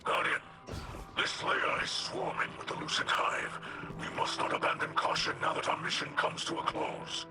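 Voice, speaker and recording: An actor playing a solemn, protective alien leader and father in a video game, speaking in a measured, formal, grave way. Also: a little high, wildly swooping pitch, over loud music. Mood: urgent warning. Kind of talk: dramatic video game acting.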